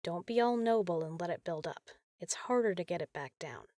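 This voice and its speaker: A woman playing a caring, teasing big sister in an intimate comfort roleplay, talking softly and casually. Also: fairly low pitch, expressive, a little fast, no echo, studio quality, lightly acted. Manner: soft, soothing, casual, playful.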